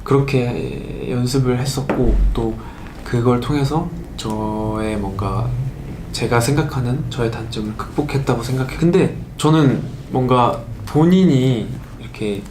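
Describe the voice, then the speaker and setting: A man's voice: medium pitch, expressive, very fast, roomy sound, background noise. A young man in casual chat who speaks earnestly and reflectively. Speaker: K-pop idol.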